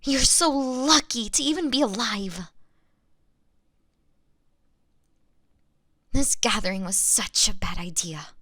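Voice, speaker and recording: A woman playing a young vampire in an intimate audio roleplay, refined, gentle and apologetic, speaking in formal, polite, deliberate phrases. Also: fairly high pitch, no echo, clean studio sound. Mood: hushed exasperation. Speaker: audio drama performer.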